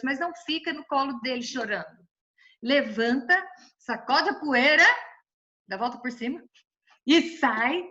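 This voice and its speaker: A Brazilian woman leads a Bible study with a bright, forceful, rather high voice. Her delivery is colloquial and lively, full of playful asides. The recording sounds dull and lo-fi. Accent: Brazilian Portuguese.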